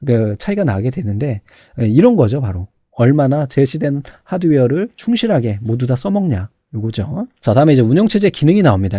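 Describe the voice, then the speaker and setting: Animated male lecturer, dry close sound. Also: on the high side, no echo. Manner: conversational, poses and answers his own questions. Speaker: online computer certification lecturer. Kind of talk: informal explanatory exam lecture.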